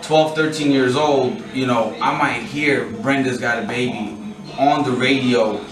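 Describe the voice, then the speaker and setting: A man's voice: medium pitch, steady tone, measured pace. A man in his late thirties, born in Pakistan and raised in California, talking casually as a rapper being interviewed, often repeating and restarting his words. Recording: roomy sound from a distant mic.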